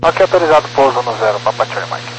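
A male pilot gives brisk, courteous readbacks over air traffic control radio. His voice sits at a middling pitch, behind clearly audible hum and noise. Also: animated. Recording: noisy cockpit radio with mains hum.

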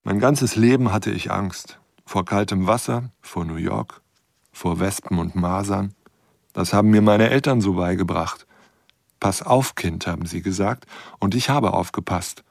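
Gravelly, anxious man in his fifties. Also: low voice, measured pace, no echo, clean studio sound, full character voice. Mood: rueful. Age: 50s. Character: anxious, overcautious lonely man of fifty-three. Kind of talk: confessional radio drama monologue.

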